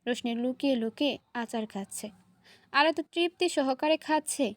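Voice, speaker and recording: Woman storyteller, high-pitched, expressive first-person reading, dry sound. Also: normal speed, no echo.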